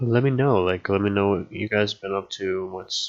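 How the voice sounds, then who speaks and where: Quiet and relaxed, a man talks at a fairly quick pace in a fairly low pitch. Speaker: gaming streamer. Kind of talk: casual gameplay commentary.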